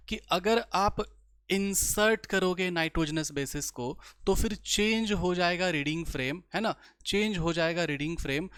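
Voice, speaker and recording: A young man teaching biology in a lecture, often pausing to check the class follows. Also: a little high, fairly bright tone, no room sound, clean studio sound. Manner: slow explaining, many rhetorical checks. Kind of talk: online exam-prep lecture.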